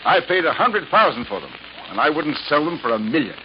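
A man's voice: fairly high pitch, sing-song, fairly quick. An American actor playing a wealthy, self-satisfied collector showing off his treasures, in 1940s radio drama style. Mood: proud, pleased. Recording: dull, slightly noisy vintage radio broadcast.

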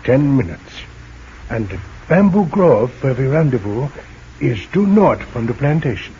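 Polite young underground leader, formal talk, old muffled radio with hiss. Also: male voice, medium pitch, sing-song, unhurried, warm tone. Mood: earnest. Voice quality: formal, courteous. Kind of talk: 1940s radio acting. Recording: dull old radio recording, faint hiss.

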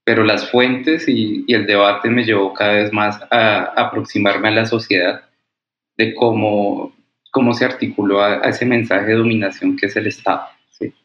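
Historian guest, male, low voice, halting reflective answers, roomy muffled remote recording. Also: steady tone, a bit bright. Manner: hesitant, many fillers and restarts, asks "¿sí?" often.

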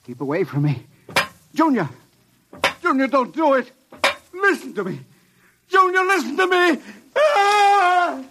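A man's voice: very high voice, very animated, unhurried, long pauses, exaggerated voice. An actor playing a terrified older professor who pleads frantically with his creation, in a vintage radio drama. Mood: screaming. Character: terrified older male professor, inventor of the robot. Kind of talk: 1940s radio acting. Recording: noisy old radio recording.

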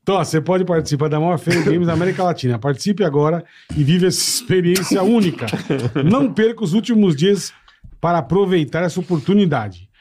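A man's voice: sits high, expressive, quick pace, darkish tone, a little hiss or hum. A man co-hosting a talk show, moving between casual banter and promotional sponsor reads. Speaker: talk show co-host reading sponsor spots.

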